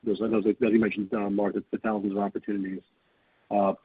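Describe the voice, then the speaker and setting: A man with a husky voice, a financial analyst asking questions on an earnings call. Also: fairly low pitch, little pitch movement, fast talker, no room sound. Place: conference call. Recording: thin phone-line audio.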